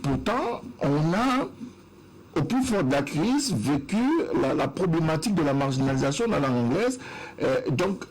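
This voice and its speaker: A man's voice: on the high side, very animated, moderate pace, a little mellow, poor audio. A man moderating a TV panel debate, putting questions to the guests and cutting in. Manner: questioning, interjecting.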